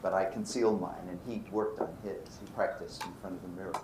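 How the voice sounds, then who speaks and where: A man's voice: deep voice, steady tone, a little fast. An American man from Brooklyn giving a physics lecture, posing questions and answering them himself. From Brooklyn, United States. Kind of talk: lecture with anecdotes. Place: lecture room. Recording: roomy echo, faint background noise.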